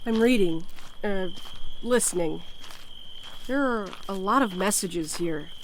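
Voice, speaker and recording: Sardonic postmaster played by a woman for audio drama: blunt, weary, casual, medium pitch, light outdoor night ambience. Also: slow pace, slight background noise, natural voice, poor audio. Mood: distracted, uneasy. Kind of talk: scripted audio drama acting. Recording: faint outdoor cricket ambience. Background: crickets and night sounds.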